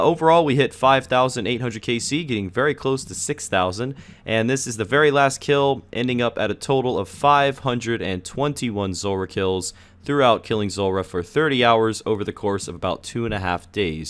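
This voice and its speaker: A young man who is sick and losing his voice, talking casually over his gameplay footage as a gaming video creator, relaxed and chatty with frequent "uh"s and "you know"s. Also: medium pitch, normal speed, clear, resonant tone. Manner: relaxed, chatty, filler-heavy.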